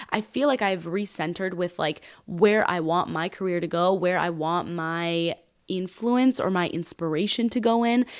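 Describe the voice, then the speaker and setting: Energetic in tone, a woman speaks at a medium pitch with ordinary variation, recorded very cleanly against a silent background. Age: 20s. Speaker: podcast host, content creator. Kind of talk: casual podcast talk. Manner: energetic, chatty.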